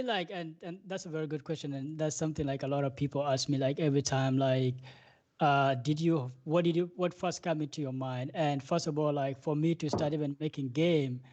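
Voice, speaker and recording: A man's voice: on the high side, darkish tone. A man with an East African accent answering interview questions conversationally, repeating phrases as he builds his thoughts. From South Sudan and northern Uganda. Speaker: guest game developer.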